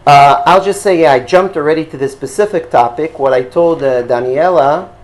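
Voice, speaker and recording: Halting rabbi with an Israeli accent. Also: male voice, fairly high pitch. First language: Hebrew. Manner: halting, with frequent fillers and checks for understanding. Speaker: rabbi teaching a class. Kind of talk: explanatory lecture.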